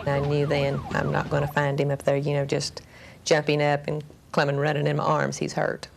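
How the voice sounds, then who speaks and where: A woman's voice: deep voice, completely flat delivery, normal speed, creaky. A woman recounting her husband's crash in a plainspoken, emotional way. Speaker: wife of injured pilot. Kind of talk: interview testimony.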